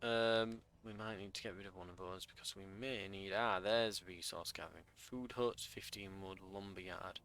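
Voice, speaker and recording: A man's voice: sits low, steady tone, normal speed, hardly any pauses, fairly bright tone. A man giving casual let's play commentary, thinking aloud in a wry way.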